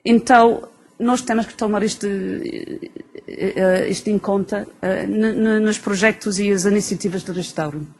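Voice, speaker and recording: A woman's voice: mid-range voice, fairly even intonation, moderate pace, a little mellow. Englishwoman lecturing with hesitant, English-accented delivery. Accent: English accent in Portuguese. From England. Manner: hesitant, searching for words in a second language. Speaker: researcher giving a lecture. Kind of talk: academic conference talk.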